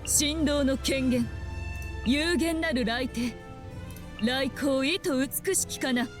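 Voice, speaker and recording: A woman's voice: sits high, a little slow, music in the background. An actress playing a solemn young woman in a video game, chanting spells in a formal, incantatory way. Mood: solemn incantation. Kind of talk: Japanese video game character voice lines.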